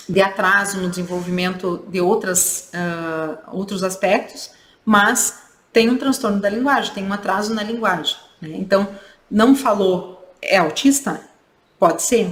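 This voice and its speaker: A woman's voice: medium pitch, a little hiss or hum. A woman clinician giving a training lecture, explaining points and checking in with tag questions. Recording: echoey room with faint ambience.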